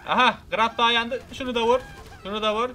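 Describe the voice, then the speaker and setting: A young man giving excited, playfully menacing commentary over his own gameplay, repeating lines and talking to his viewers. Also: extremely high pitch, fairly quick. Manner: loud, repetitive, playfully menacing banter. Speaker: gameplay video host.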